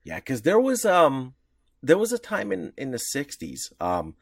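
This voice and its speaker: A man's voice: medium pitch, huge pitch swings, a little slow, no room sound, studio quality. A man co-hosting a podcast, chatting casually about comics history, rambling with lots of fillers and restarts. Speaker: podcast co-host.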